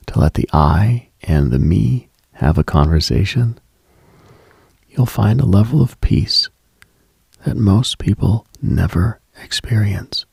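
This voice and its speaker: A man hosting a late-night mystical radio monologue in a hushed, musing, ASMR-like way, with frequent pauses and a husky, breathy, gravelly voice. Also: lowish voice, no echo. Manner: hushed, musing, pausing often.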